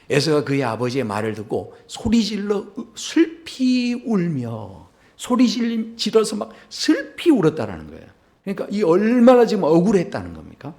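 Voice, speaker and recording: A male pastor preaching with a lively, swinging voice. He tells the story in a conversational way, poses questions and answers them himself, and his pitch leaps up whenever he acts out a quoted line. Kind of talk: sermon.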